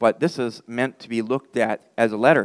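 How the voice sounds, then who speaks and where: The man's delivery is moderate in speed, and the background stays quiet. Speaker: pastor. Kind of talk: sermon. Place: church. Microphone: headset.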